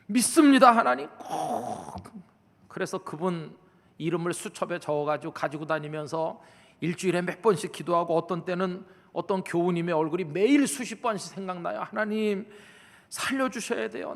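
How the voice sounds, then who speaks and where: A middle-aged man preaching a sermon as a pastor, talking to the congregation in a conversational way and acting out prayers and the voices of church members. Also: fairly high pitch. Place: large church sanctuary. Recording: long hall reverb.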